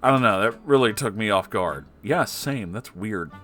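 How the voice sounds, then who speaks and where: A man's voice: on the low side, animated, moderate pace, a bit bright, faint music behind. A man hosting a story reading, narrating an online tale expressively and conversationally, with asides of his own. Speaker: host reading Reddit stories.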